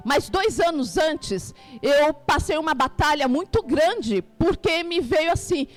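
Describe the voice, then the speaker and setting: A high-pitched middle-aged woman with a Brazilian Portuguese accent shares a personal testimony in earnest, halting phrases. Faint music plays softly behind her in a church. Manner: halting, earnest, emotional storytelling. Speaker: church member giving testimony. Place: church hall.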